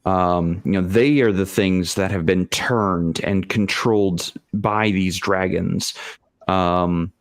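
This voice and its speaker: A man's voice: low-pitched, fairly even intonation, slow, dry recording, studio quality. A man casually explaining tabletop game ideas in short, hesitant phrases. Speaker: panelist on a role-playing show.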